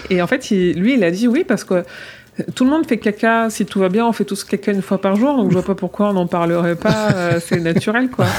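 Noticeable background noise sits behind a woman's voice. She speaks at a moderate pace in a medium pitch. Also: ordinary pitch variation, very even loudness. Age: 30s. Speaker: podcast host. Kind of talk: casual chat.

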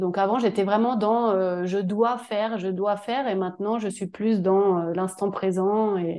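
A woman has an unremarkable speaking voice, speaking at a fairly slow pace with a medium pitch and ordinary pitch variation. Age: 40s. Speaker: reiki student. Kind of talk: casual chat.

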